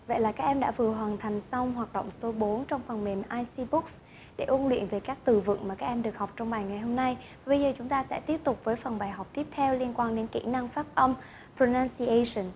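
A woman's voice: fairly high pitch, a little hiss or hum. A woman teacher explaining intonation rules and modelling example sentences in an online lesson. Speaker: English teacher.

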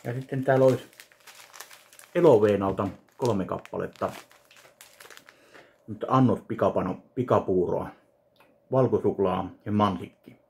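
A man in his thirties from Finland, casually narrating an unboxing of a fan package in his home kitchen, speaking slowly and haltingly to a webcam. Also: on the low side, creaky, darkish tone. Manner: slow, halting, listing items one by one. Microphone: webcam at desk distance.

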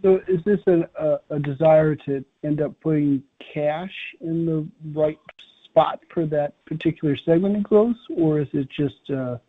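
A man's voice: a little high, measured pace, no echo. A man, an analyst, asking rambling, stumbling questions on an earnings conference call. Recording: tinny phone line.

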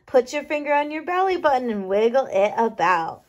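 A woman kindergarten teacher reading a picture book aloud, playful and expressive, leaning on key words. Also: high-pitched, moderate pace, lo-fi sound.

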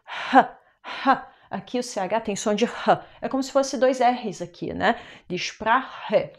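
A young Brazilian woman with a Brazilian Portuguese accent teaching a German lesson online, explaining patiently step by step and slowing down for the example words. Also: fairly high pitch.

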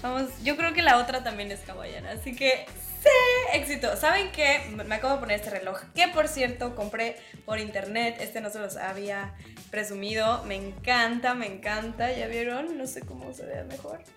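A woman in her twenties with a Mexican accent, chatting excitably and casually like a vlogger in her kitchen. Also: fairly high pitch, normal speed, faint music behind. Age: 20s. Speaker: vlogger, prankster. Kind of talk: animated casual vlog chat and phone prank. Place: small home kitchen, indoors. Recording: roomy kitchen echo.

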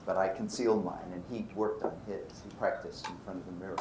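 A man's voice: low voice, quick pace. Older man lecturing in an echoey hall. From Brooklyn, New York. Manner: animated, checks in with students. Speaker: physics professor. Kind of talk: university lecture. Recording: roomy lecture hall, faint noise.

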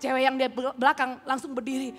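A woman's voice: sits high, level tone, quick pace, fairly bright tone, big-room sound. A woman preaching a sermon, telling a story and acting out its characters, slipping English phrases into her talk. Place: church hall.

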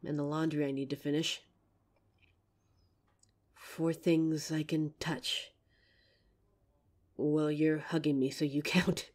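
A gentle young werewolf girlfriend, played by a woman, talking low and unhurried in a soft, breathy audio-drama voice. Her tone is mellow and dark, and she sounds tender with her partner. She lingers over each word. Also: level tone. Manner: tender, slow, grounding exercise. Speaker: voice actor. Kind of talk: F4A audio roleplay.

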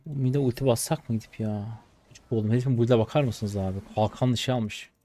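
A man in his twenties streaming his gameplay, chatty and excitable, trash talking in slang and breaking into sudden high-pitched outbursts. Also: fast, faint music behind. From Turkey. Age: 20s. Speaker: game streamer. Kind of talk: live gameplay commentary.

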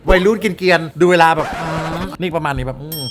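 A man hosts a casual gadget review at home, chatty and excitable, teasing his companion as he goes. His voice is bright and a little high, and he talks quickly. A faint hiss of noise sits under the recording. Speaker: host.

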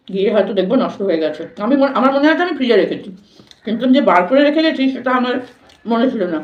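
A woman chatting informally to her viewers as she eats, like a casual food vlog. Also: a little high. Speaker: vlogger. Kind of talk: casual chat to viewers while eating. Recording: echoey room, dull lo-fi sound.

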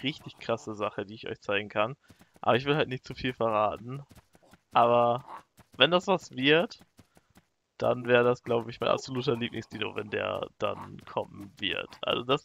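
Excitable young man with gravelly voice. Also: medium pitch. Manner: excitable, talks to the animals in the game. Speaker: gaming YouTuber. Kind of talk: casual let's play commentary.

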